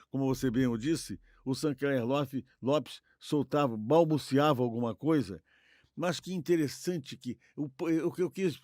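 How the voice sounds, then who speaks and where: A man's voice: mid-range voice, a little mellow, no room sound, clean studio sound. A Brazilian man co-hosting a podcast, casually discussing radio history in a discursive, repetitive way, often seeking agreement. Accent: Brazilian Portuguese. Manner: discursive, repeats himself, seeks agreement with tag questions. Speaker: podcast co-host.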